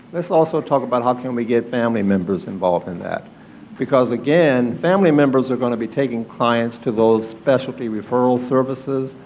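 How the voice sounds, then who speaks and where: A man's voice: mid-range voice, creaky, darkish tone, slight background noise, rough recording. A man giving a direct, practical comment from the floor at a panel.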